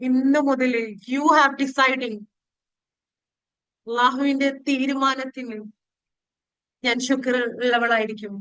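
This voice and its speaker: A woman leading a guided spiritual meditation and prayer in a pleading, devotional way with drawn-out phrases. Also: high voice, fairly bright tone, clear, resonant tone, no room sound, lo-fi sound.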